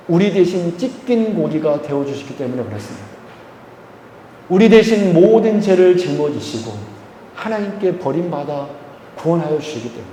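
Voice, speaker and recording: Man pastor, high mellow voice, emphatic sermon, echoey church hall with faint ambience. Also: slight background noise. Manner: emphatic preaching with slow stressed phrases, leading the congregation.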